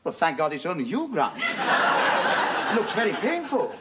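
An actor with a British accent playing a pompous, dismissive country squire. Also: male voice, high voice, wildly swooping pitch, a little slow, heavy background noise, heavily acted.

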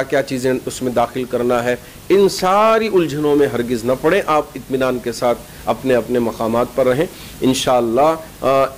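Middle-aged male cleric, mid-pitched, measured formal statement with pauses, indoor recording with noise. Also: a little mellow, low-quality recording. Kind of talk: spoken public statement to camera. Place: small indoor office lined with bookshelves. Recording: clear background noise, low rumble.

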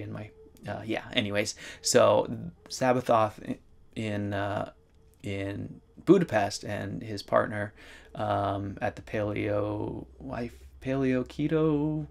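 A man's voice: on the low side, creaky. A man in his forties talking casually to the camera from a wooden room, rambling and thinking aloud with many asides. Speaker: vlogger. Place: wooden room by a large window.

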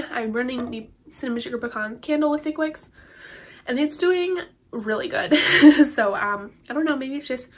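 A teenage girl with a congested nose chats casually to her camera in a bedroom, her voice sitting a touch high. She rambles with frequent ums and likes. A faint hiss sits under the recording. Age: teens. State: stuffed-up nose. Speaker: beauty and candle vlogger. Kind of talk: casual haul review to camera. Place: bedroom with Christmas tree and curtains, indoors.

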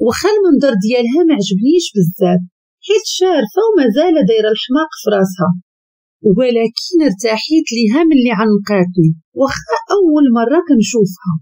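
A woman with a Moroccan Arabic accent telling a first-person story as narrator, voicing the quoted lines higher. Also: sing-song, quick pace, mellow, husky.

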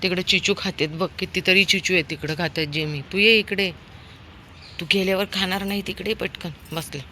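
A woman urges her dog along in quick, high, coaxing calls. Her voice is bright and sharp. Faint outdoor noise and birdsong sit behind her. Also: steady tone. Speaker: dog owner filming her pet. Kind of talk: casual talk to a dog.

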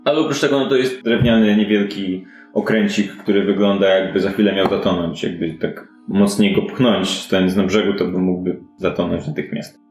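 A man's voice: deep voice, fairly even intonation, normal speed, few pauses, darkish tone. A man improvising narration as game master of a tabletop role-playing game, conversational and hesitant in his phrasing. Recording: roomy sound with faint music.

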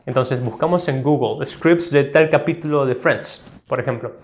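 A man teaching an online test-prep lesson, explaining step by step and checking in with quick tag questions. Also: mid-range voice. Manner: instructive, ends points with tag questions. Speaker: TOEFL teacher.

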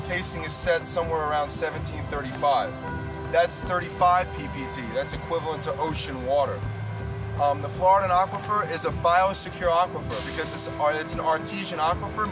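A man in his thirties giving a casual, matter-of-fact technical tour outdoors at a construction site, recorded from a distance. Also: a little high. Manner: matter-of-fact, explaining with hand gestures. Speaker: site guide at a fish farm. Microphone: far camera mic. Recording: distant outdoor audio under music. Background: background music.

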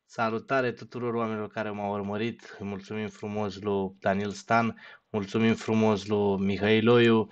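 A man with a somewhat low voice closes out a live stream. He rattles through thanks to viewers in a loose, casual way and slips into blunt, crude ribbing.

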